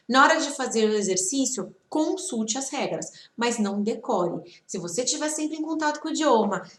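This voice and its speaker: A Portuguese-speaking woman with a Brazilian accent teaching a grammar lesson, patiently repeating words slowly for learners. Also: on the high side. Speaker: English teacher. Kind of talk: online lesson, explaining grammar. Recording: echoey room.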